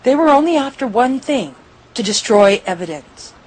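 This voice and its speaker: A woman playing an indignant, defiant reporter with a husky voice and an emphatic, combative delivery in an audio drama. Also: a little high, lively intonation, moderate pace, a little mellow, poor audio. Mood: resolute. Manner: emphatic, combative, rhetorical questioning. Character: indignant, defiant female news reporter fighting for the truth.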